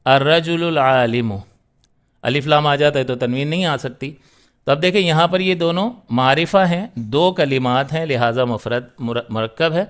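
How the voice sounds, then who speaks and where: Guy teaching a grammar class, smooth clear voice, asks questions then answers them himself. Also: on the high side. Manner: explains step by step, asks and answers his own questions. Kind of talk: grammar lesson.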